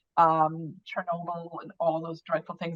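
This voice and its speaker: With an Irish accent, a woman speaks at a fairly low pitch and a fairly slow pace in a monotone with flat intonation. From Ireland. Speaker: philanthropy advisor. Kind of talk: podcast interview. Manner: halting, many repetitions.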